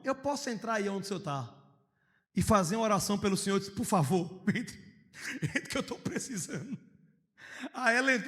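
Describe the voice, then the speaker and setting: A man preaching a sermon as pastor, telling personal stories, moving between hushed storytelling and loud outcries. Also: high voice. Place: church hall. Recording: long reverb of a church hall.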